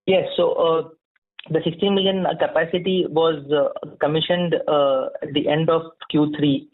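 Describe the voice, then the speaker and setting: A muffled, narrow phone line carries a higher-pitched Indian man's voice. He speaks as a company executive answering investors, semi-formal and halting, with frequent repeated words. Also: flat delivery. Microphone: conference call line.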